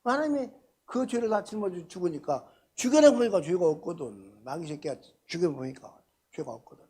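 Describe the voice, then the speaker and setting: An older man preaching a sermon as pastor at a church prayer meeting, speaking in a colloquial way that swings between loud emphasis and soft asides. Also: high-pitched, animated, brisk, breathy edge. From Korea.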